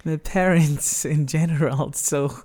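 A man with a Mozambican accent, a Shangana speaker, speaks as a guest musician. His mid-pitched voice is dark and mellow. He answers slowly and hesitantly, feeling for the right words. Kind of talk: interview answers.

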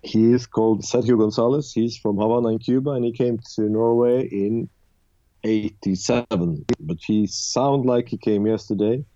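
Mellow-voiced man, dull dry sound. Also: on the low side, dry recording. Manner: relaxed, halting, many fillers. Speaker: musician guest. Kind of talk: radio interview chat.

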